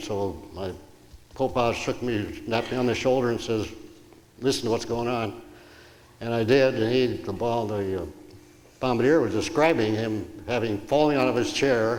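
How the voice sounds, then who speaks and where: With a Midwestern US accent, a man talks at a moderate pace in a medium pitch with ordinary pitch variation. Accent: General American, Midwestern. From Detroit, Michigan. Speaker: World War II bomber pilot, veteran. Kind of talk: interview answer, wartime recollection.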